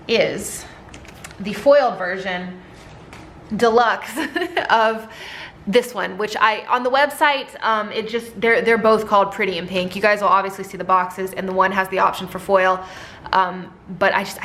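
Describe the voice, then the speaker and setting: A woman talking casually through her new sticker designs, chatty and rambling, with a slightly hoarse voice. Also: medium pitch, a bit bright, a little hiss or hum. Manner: chatty, rambling, many ums and likes. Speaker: sticker shop owner and designer. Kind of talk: casual product walkthrough.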